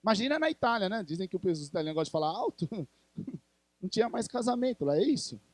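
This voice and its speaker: Brazilian pastor guy, high voice, dry sound, talks to the church like a chat, keeps asking questions. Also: sing-song, fast talker, a little mellow, no echo. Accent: Brazilian Portuguese. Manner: conversational, asks the congregation questions. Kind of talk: sermon.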